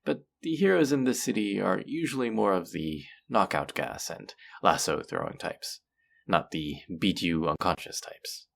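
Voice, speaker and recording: A man playing a suave, pleasant supervillain in a scripted audio roleplay, speaking in a polished, measured, theatrical and amiable way. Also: low-pitched, creaky. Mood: reassuring, amiable. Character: suave, pleasant male supervillain interviewing a minion recruit. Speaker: voice actor. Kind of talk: scripted roleplay audio drama, conversational monologue.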